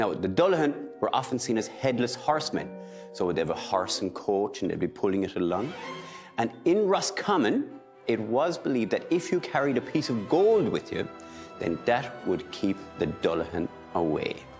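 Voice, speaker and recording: Music plays in the background as a man speaks at a moderate pace. His tone is animated. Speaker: primary school teacher. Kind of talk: educational storytelling to children. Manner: animated, engaging.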